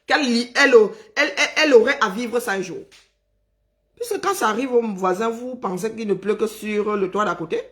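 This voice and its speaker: A man's voice: high-pitched, fairly quick, a bit bright. A man from Cameroon, ranting on a live stream, agitated and indignant, hammering his points home by repeating phrases. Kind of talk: angry live-stream rant.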